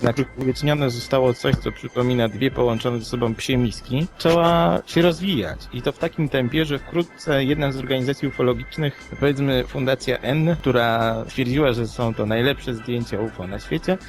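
A man from Poland co-hosting a podcast, telling and commenting on cases in a conversational, measured, explanatory and sceptical way. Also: medium pitch. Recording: music playing behind the voice. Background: background music.

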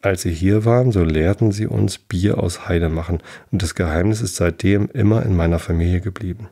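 A man's voice: deep voice, brisk, gravelly, dark tone. A man voicing a tiny old male fairy cobbler who is sly, haughty and curt. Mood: scornful. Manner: curt, dismissive, slightly raised voice.

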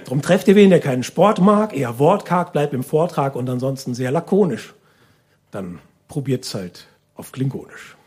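Performing before a laughing audience, a man who does stand-up and slam poetry delivers a wry, theatrical monologue in everyday language. He speaks at a normal speed in a medium, somewhat mellow voice with lively intonation, over slight background noise.

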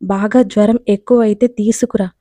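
A woman's voice: medium pitch, steady tone, moderate pace, mellow, no echo, lightly acted. A woman voicing a kind elderly grandmother who reassures her granddaughter in a storybook reading. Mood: caring. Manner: caring, reassuring.

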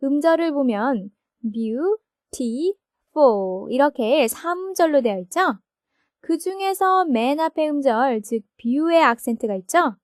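A woman teaching English grammar in a recorded textbook lesson, explaining slowly and checking each point with her listeners. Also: high voice, animated, dry recording, studio quality. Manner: slow, explanatory, asks confirming questions.

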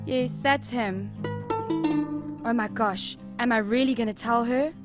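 A woman's voice: a little high, unhurried, lightly acted. A woman playing a troubled, hesitant young boy in an audio drama, with guitar music behind. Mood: anxious, reluctant.

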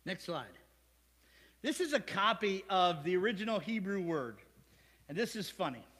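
In a church sanctuary, a male pastor with an American Midwest accent delivers a sermon at a moderate pace, his voice high for a man. He's animated, tossing jokes and asides to the congregation, and a long hall reverb trails his words.

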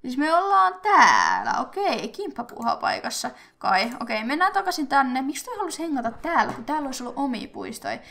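A young woman from Finland chatting casually as she plays a life-simulation game, thinking aloud with fillers and quick bursts of excitement. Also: sits high, gravelly. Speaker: gaming YouTuber. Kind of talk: casual let's-play commentary.

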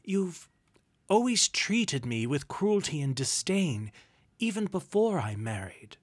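A man's voice: fairly high pitch, very animated, slow pace, voice pushed up, exaggerated voice. A man voicing a cheerful, good-hearted young nephew in a storybook, polite, earnest and a little mischievous. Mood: earnest, pleading.

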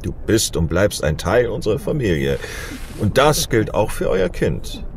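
A man's voice: fairly low pitch, huge pitch swings, a little slow, vocal fry, a little hiss or hum, exaggerated voice. A man acting a stubborn, regretful old father in a German audio drama, speaking in a weary, grave, emphatic way. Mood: gentle. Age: older.

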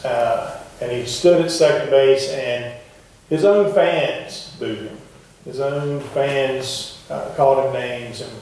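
A middle-aged man preaching a sermon to his congregation in a wooden church, talking in a relaxed, conversational way and asking the pews questions. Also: medium pitch, slow. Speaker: pastor. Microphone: far camera at the back of the church. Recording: echoey church heard from far off.

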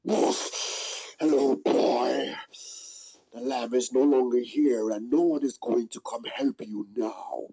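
A puppeteer voicing a hungry, gloating wolf villain with drawn-out, menacing delivery in an amateur puppet show. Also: mid-range voice, fairly even intonation, dark tone, husky. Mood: threatening. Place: small indoor room, behind puppet curtain.

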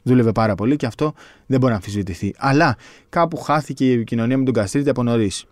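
Male sports-podcast co-host, mid pitch, halting delivery with many fillers, dry close recording. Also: a little mellow, dry recording. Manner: hesitant, many fillers and restarts. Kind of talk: casual sports podcast chat.

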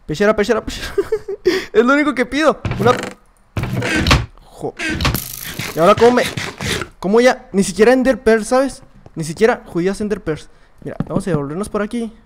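High-voiced excitable young gamer man. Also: a little fast, pauses often, background noise. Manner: excitable, swears and yelps when things go wrong. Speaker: gaming video creator. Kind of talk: live gameplay commentary.

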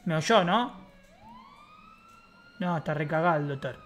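A man's voice: on the high side, expressive, measured pace, fairly bright tone, a little hiss or hum. A man with an Argentine accent, streaming in-character game role-play with brash, mocking street talk. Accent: Argentine Spanish.

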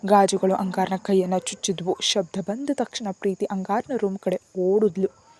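A woman narrating a story in a steady, even storytelling manner. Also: mid-range voice, moderate pace.

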